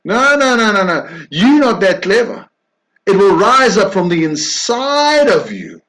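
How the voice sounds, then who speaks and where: A man preaching a sermon, emphatic, swinging between loud insistence and soft hushed tones. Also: high voice, sing-song, measured pace, a little hiss or hum, poor audio.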